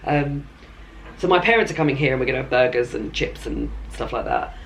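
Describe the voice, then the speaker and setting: A hoarse woman with a chesty cough, chatting casually to camera in a rambling reading vlog from her bed at home, with plenty of ums and throat clearing. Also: rumbling low, brisk, a little hiss or hum, poor audio. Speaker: book vlogger.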